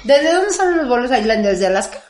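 A woman's voice: a little high, sing-song, fast talker, roomy sound, very noisy. A Mexican woman in casual chat, chatty and self-deprecating, jumping in with asides. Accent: Mexican Spanish.

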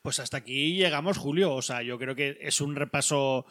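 A man from Spain hosting a casual podcast, relaxed and chatty as he wraps up. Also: mid-range voice, moderate pace, dry recording, clean studio sound. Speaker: podcast host. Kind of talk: casual chat.

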